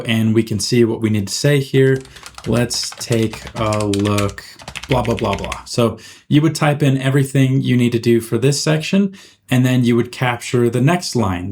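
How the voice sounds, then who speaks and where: A man narrating a software tutorial in an informal, step-by-step way, as the host. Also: medium pitch. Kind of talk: casual screen-recorded software tutorial narration.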